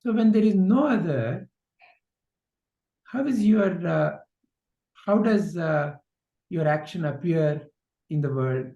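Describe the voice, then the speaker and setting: A man's voice: on the high side, lively intonation, slow pace, gravelly, pauses often, dark tone, muffled recording. A man giving a spiritual discourse, asking rhetorical questions and repeating phrases for emphasis. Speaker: spiritual teacher. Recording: echoey room sound.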